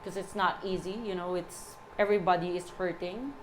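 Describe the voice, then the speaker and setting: A woman in her forties, a guest in casual chat, talking in a halting way with repeated words and many "you know"s. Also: lowish voice, fairly even intonation, a little hiss or hum, poor audio. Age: 40s.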